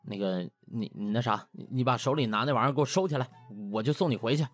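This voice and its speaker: A man's voice: mid-range voice, fast talker, soft background music, natural voice. A man voicing a cheeky, easily cowed young doctor who grumbles and protests in a comic audiobook. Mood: wary. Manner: whiny, sarcastic, stammering protests. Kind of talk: comic audiobook drama acting.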